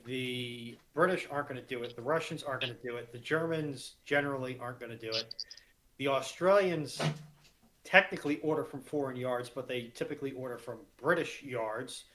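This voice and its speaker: A man's voice: mid-range voice, fairly quick, fairly bright tone, low-quality recording. A man on a casual discussion panel, explaining emphatically and point by point. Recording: background noise with clicks.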